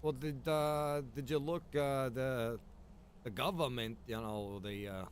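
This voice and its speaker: A man's voice: mid-range voice, steady tone, measured pace, slight background noise. A man chatting casually while roleplaying in a game, with a laid-back, rambling, agreeable way of talking. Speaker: streamer, roleplay gamer. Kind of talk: casual in-character roleplay chat while gaming.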